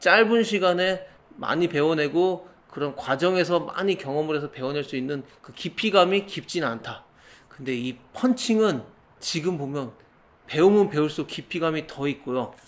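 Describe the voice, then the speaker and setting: Animated in tone, a man with a high voice talks at a moderate pace with lively intonation and big swings in loudness. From South Korea. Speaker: hat business owner and YouTuber; YouTuber. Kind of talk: casual vlog monologue. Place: workshop.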